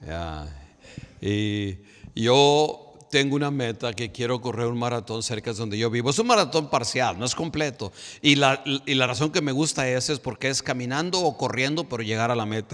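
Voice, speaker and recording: Here is a man with an ordinary speaking voice, medium pitch and lively intonation at a moderate pace. The recording is very clean, with a silent background. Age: 60s. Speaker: pastor. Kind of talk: sermon.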